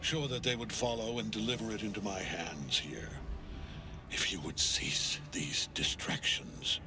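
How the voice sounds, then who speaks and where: Grave old warlord, commanding, low-pitched, dramatic game villain, loud music behind. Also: male voice, unhurried. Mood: stern, contemptuous. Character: grave undying old general, weary, commanding conspirator. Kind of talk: video game dramatic acting.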